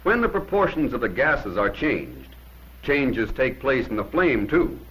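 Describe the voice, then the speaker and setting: A man's voice: mid-range voice, huge pitch swings, measured pace, fairly bright tone, breathy edge, rough recording. A man narrating a 1950s instructional film in an emphatic, plain-spoken way, giving short commands on an old film soundtrack.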